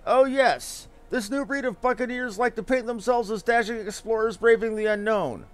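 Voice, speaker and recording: A worried airship merchant from a fantasy game, performed by a man, speaking in a high voice. The speech is florid and dramatic, forever fretting and pleading. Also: normal speed, soft background music. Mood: indignant. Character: anxious airship merchant fretting over debts and lost cargo.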